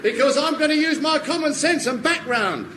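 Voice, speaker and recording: An actor playing a brash, mocking air raid warden, in a radio comedy. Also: male voice, very high voice, lively intonation, normal speed, very noisy. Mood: jeering. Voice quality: brash, jeering.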